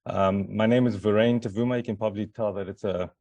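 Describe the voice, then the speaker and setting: Middle-aged presenter from Zimbabwe, flat and monotone, dry close sound, hesitant delivery. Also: male voice, fairly low pitch, quick pace, dry recording. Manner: hesitant, many fillers and restarts. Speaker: conference presenter. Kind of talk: conference talk.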